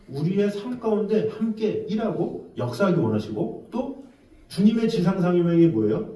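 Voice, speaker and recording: A man preaching a Sunday sermon as pastor, animated, acting out pleading prayers in a high voice. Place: church sanctuary. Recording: echoey church from a distance.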